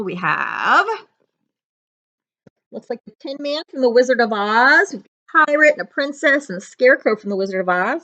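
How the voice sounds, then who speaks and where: A middle-aged woman reading a children's picture book aloud with expressive, dramatic storytelling and chatty asides. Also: mid-range voice, highs cut off. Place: living room couch, indoors.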